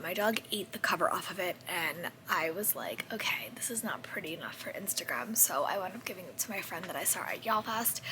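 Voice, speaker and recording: Hoarse, breathy woman vlogger. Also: medium pitch, pushed and bright, a little hiss or hum. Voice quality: breathy, half-whispered. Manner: chatty, rambling with self-corrections. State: hoarse, losing her voice. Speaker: book vlogger. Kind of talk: casual book wrap-up chat.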